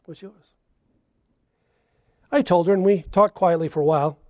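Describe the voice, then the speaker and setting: A man preaching a sermon, moving between loud emphatic lines and quiet, hushed ones. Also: high voice, moderate pace, dry recording, studio quality.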